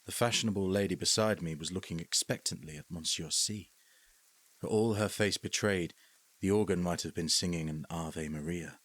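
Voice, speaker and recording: A man reading a horror story aloud as scripted narration, measured and sometimes sinking to a hush. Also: deep voice, no room sound. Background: faint music.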